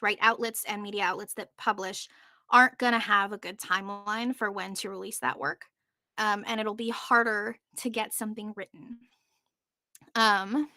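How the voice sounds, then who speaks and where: A woman's voice: on the high side, pushed and bright, no room sound, studio quality. A woman presenting on a panel in an informal, chatty way, often breaking off into asides. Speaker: panelist presenting on podcast marketing.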